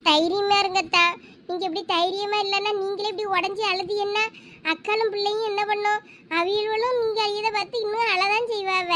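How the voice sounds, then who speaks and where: Very high-voiced woman. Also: steady tone, fairly quick, very noisy. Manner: consoling, pleading. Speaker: skit performer. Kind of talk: village comedy skit.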